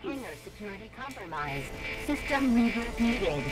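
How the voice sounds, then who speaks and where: Glitchy robot security computer, female-sounding, kinda high, swings up and down a lot, music playing behind. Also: normal speed. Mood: glitching. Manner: flat announcer-style status reports. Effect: glitching robotic system voice. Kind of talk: video game voice line.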